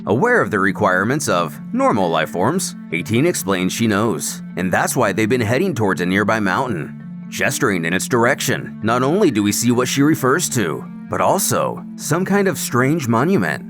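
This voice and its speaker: Guy narrating a comic story, really animated delivery, mid pitch, music behind. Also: normal speed. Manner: expressive, storytelling emphasis. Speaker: narrator of fan comic recaps. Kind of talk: dramatic scripted story narration. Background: background music.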